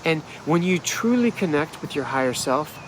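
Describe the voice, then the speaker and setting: A man's voice: fairly high pitch, expressive, normal speed, background noise. A middle-aged man with a stuffed-up, nasal voice, talking casually and animatedly to a camera at arm's length outdoors, rambling and restarting his sentences. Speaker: spiritual healer. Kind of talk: casual vlog monologue. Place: outdoors in a wooded yard. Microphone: phone or camera at arm's length.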